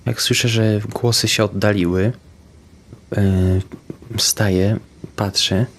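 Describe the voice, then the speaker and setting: Low-voiced calm male player. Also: takes it slowly. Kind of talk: describing his character's actions.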